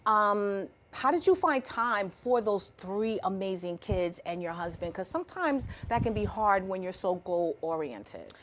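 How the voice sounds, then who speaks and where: A woman's voice: mid-range voice, expressive, measured pace, few pauses, slight background noise. A woman hosting an interview, chatty and encouraging in a casual way. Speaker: host. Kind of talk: interview conversation.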